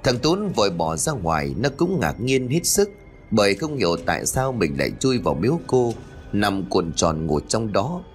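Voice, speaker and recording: A man narrating a spooky family story in an expressive, dramatic storytelling style. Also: on the low side, moderate pace. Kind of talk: scripted narration. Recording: faint background music.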